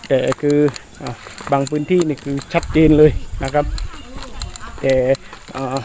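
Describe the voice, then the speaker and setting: A man talking casually to viewers in an explanatory vlog, hesitant and repetitive, with many drawn-out filler pauses. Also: medium pitch, level tone, vocal fry, dark tone. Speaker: soldier vlogger addressing viewers. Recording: noisy outdoor recording with insect ambience.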